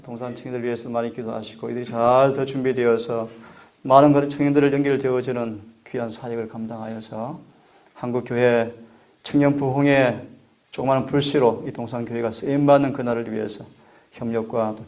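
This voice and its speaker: A middle-aged man delivers a sermon as a pastor, speaking in an earnest, measured way. His voice sits at an ordinary pitch with a gravelly edge. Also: steady tone, darkish tone. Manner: earnest, measured preaching with prayer requests.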